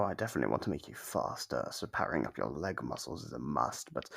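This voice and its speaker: A man's voice: a bass voice, full character voice. A man voicing a sadistic, playful monster holding human prey captive, menacing and theatrical as he muses aloud in an ASMR horror roleplay. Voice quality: gravelly, husky.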